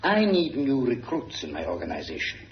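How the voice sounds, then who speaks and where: A man's voice: medium pitch, huge pitch swings, a little fast, a little hiss or hum. An actor playing a suave, scheming male crime boss who talks with silky, over-polite menace in an old radio drama. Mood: smug menace. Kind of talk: 1940s radio drama acting. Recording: dull roomy old radio recording.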